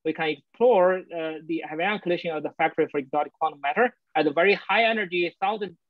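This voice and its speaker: A man presents a science lecture over a video call, pausing often with fillers as he works through his slides. His voice sits somewhat high for a man. The sound is dull and dry. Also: no room sound. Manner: halting, many fillers like "uh, you know". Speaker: guest speaker. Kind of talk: academic colloquium talk over video call.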